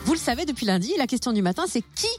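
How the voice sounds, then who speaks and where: A woman's voice: fairly high pitch, animated, racing, over loud music. A woman hosting a morning radio show, bubbly and exclamatory, often laughing. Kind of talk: lively radio chat.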